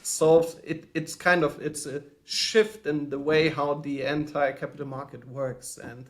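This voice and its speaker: A man's voice: fairly high pitch, level tone, a little slow. A man from Germany calling in from home as a podcast guest, thoughtful and hesitant with many fillers. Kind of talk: podcast interview answers.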